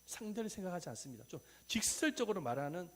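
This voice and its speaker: A male pastor preaching a sermon, leading the congregation in reading scripture aloud and acting out quoted dialogue, with sudden swings between loud and hushed delivery. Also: high-pitched, sing-song, quick pace. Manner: acts out quoted dialogue in plain, conversational speech.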